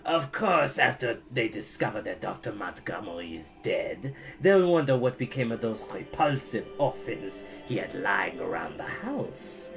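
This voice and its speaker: A reader voicing a menacing adult male villain who talks slowly in a low, whispery snarl. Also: big pitch swings, gravelly, soft background music. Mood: gloating.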